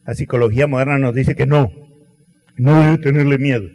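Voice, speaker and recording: A middle-aged man preaching a sermon, telling stories with acted quotes and dramatic pauses. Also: mid-range voice, fairly even intonation, darkish tone. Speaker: pastor. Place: large church hall. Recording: long church hall reverb.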